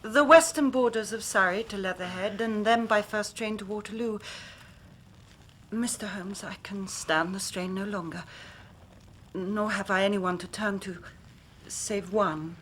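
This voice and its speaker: An actress playing a frightened young woman who comes to a detective for help, speaking in an urgent, often hushed voice. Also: medium pitch, unhurried, slight background noise, close to an everyday voice. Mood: pleading. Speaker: actress in radio drama. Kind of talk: radio drama acting.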